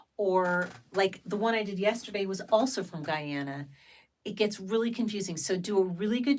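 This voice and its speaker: This woman has an ordinary speaking voice and a medium pitch. She speaks at a moderate pace with ordinary pitch variation. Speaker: voice actor. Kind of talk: casual talk to camera. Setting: studio.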